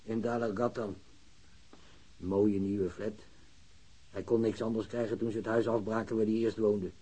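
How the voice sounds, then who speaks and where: A man's voice: on the low side, flat delivery, moderate pace, dark tone, husky, rough recording. A man acting a worried, aggrieved working-class grandfather in a radio drama, plain-spoken and grumbling. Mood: resigned, plaintive. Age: older.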